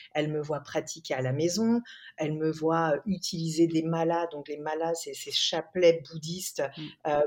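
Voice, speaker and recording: A woman speaks slowly in a plain, everyday voice, fairly low in pitch and with fairly even intonation. Her loudness swings widely from moment to moment. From France. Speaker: yoga teacher. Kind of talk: interview testimony.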